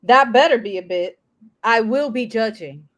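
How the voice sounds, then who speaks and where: A woman's voice: on the high side, animated, normal speed. A young woman co-hosting a casual stream, teasing in a dry, mock-stern way. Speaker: stream co-host. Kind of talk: casual chat.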